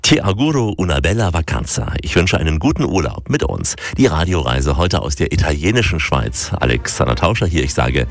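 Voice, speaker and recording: A man's voice: a bass voice, big pitch swings, brisk, few pauses, dry recording, studio quality. A man hosting a radio travel show, presenting and putting questions to guests.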